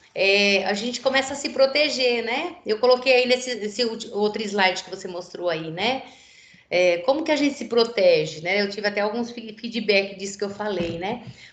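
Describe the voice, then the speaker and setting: A woman's fairly high voice with ordinary pitch variation and big swings in loudness at a moderate pace, amid audible room echo and noticeable background noise. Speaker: pastor and teacher. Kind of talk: online class lecture.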